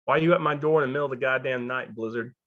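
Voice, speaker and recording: A man's voice: mid-range voice, racing, close to an everyday voice. Guy acting as sour surly miner, accusing, drama read, kinda lo-fi. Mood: surly, irritated. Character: hostile, grudging, sour male small-town miner. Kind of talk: screenplay table read.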